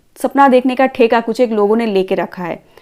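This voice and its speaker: A woman's delivery has ordinary pitch variation and moves at a moderate speed. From Kolkata, West Bengal, India. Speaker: YouTuber. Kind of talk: personal story vlog. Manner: halting at times.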